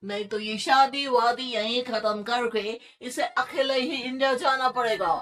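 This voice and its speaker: A woman's voice: on the high side, steady tone, a little slow, fairly bright tone. A woman voicing a stern cartoon mother. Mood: commanding. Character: stern Chinese mother, cold.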